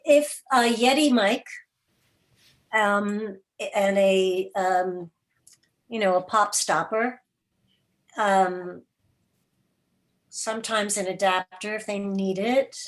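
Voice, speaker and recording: A woman answering questions as a guest in a casual online discussion, matter-of-fact, with pauses in the middle of her explanations. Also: mid-range voice. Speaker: guest, radio drama producer and interviewer. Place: remote video call.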